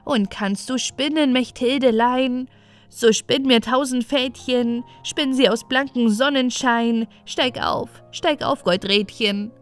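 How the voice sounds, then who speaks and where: A woman's voice: on the high side, takes it slowly, faint music behind, voice pushed up. A woman voicing a tiny enchanted male pond dwarf in an earnest, sing-song storybook manner. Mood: overjoyed.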